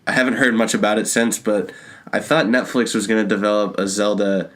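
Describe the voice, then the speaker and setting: A man's voice: lowish voice, level tone, brisk, a bit bright. A young man co-hosting a casual podcast, chatting informally like he is among friends. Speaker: podcast co-host. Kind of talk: casual chat about movies and video games.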